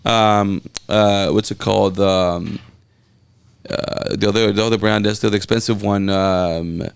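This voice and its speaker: Gravelly Mexican-accented man telling stories. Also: on the low side, measured pace. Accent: Mexican Spanish. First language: Spanish. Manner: excited storytelling, many restarts and fillers. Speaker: guest, event videographer. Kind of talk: casual interview chat.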